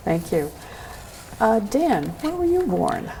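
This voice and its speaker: A woman's voice: fairly high pitch, big pitch swings, slow, mellow, a little hiss or hum. A woman hosting a local access television show, introducing guests and asking them encouraging questions. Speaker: host.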